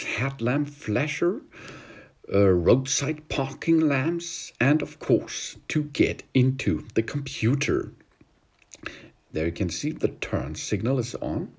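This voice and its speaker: A man's voice: fairly low pitch, breathy edge. A man giving a hesitant, methodical instructional walkthrough from inside a car, recorded on a handheld phone. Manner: hesitant, methodical, with many pauses. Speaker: car tutorial presenter.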